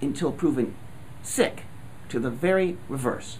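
Somewhat breathy and fairly high-pitched, a man speaks at a fairly slow pace with very wide pitch swings over light background noise. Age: 50s. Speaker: magazine senior editor. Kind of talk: scripted commentary. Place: office. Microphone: webcam.

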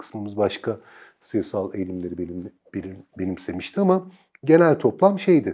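The tone is dark and mellow at a moderate pace. The background is quiet. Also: man. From Istanbul, Turkey; Turkey. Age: 40s. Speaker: oral history interviewee; interviewee. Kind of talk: oral history interview. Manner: hesitant, many fillers. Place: studio. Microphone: lapel.

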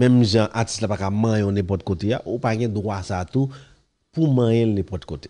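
A man speaks at a fairly low pitch with a dark, mellow tone and ordinary pitch variation. The background is quiet. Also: fairly slow pace. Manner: loud, indignant, scolding.

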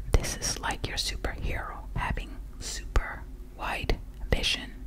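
A woman is whispering. Her pace is very slow. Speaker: ASMR creator. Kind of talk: ASMR microphone tutorial. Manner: whispered. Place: home room. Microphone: studio mic.

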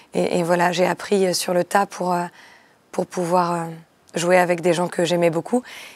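At a fairly low pitch, a woman speaks in a monotone, flat way. Her pace is fairly slow, with long, frequent pauses. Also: dry sound with no echo. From France, Nantes; France. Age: 20s. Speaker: singer-songwriter; interviewee. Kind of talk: interview monologue. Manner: hesitant, many fillers and repetitions. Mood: warm, smiling, reflective. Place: studio.

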